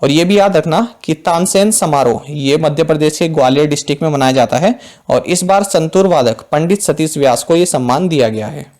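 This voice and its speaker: A man teaches an exam-prep current affairs lesson with a slightly higher voice. He explains each term plainly and calls his viewers friends. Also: a little fast, darkish tone.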